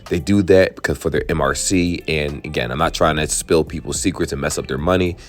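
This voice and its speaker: A man hosting a tech channel, chatting casually and frankly to viewers, his voice worn hoarse. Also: a bass voice, fairly quick. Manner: chatty, frank, drifts into asides. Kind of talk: casual explainer talking to viewers.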